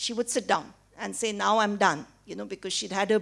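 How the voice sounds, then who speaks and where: Over a quiet background, a woman speaks with vocal fry and ordinary pitch variation. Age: 60s. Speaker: neuropsychologist. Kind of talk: lecture. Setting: stage with audience. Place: hall.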